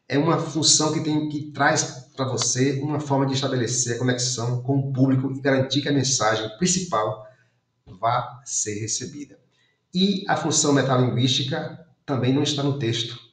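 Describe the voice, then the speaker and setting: A man's voice: mid-range voice, fairly bright tone. A Brazilian man teaching, going through exam questions one by one, reading each option aloud and ruling it out. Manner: methodical, reads options aloud and rules them out. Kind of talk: commented exam walkthrough. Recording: roomy echo.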